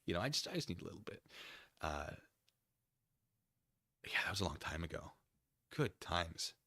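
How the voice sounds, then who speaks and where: A man with a slightly low but bright, forward voice hosts a livestream. He rambles casually through his commentary and drops in playful, self-deprecating asides as he talks to viewers. The sound is dry, with no room around it. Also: big pitch swings, normal speed, dry recording.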